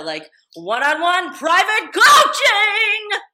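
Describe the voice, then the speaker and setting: Extremely high, raised and projected put-on character voice at a fairly slow pace. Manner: exaggerated announcer delivery.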